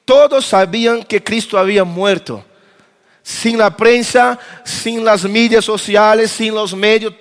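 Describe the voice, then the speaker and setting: A man preaching a conference sermon as pastor, with dramatic pauses and moments of acting out dialogue. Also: high voice. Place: church auditorium. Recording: long reverb of a church hall.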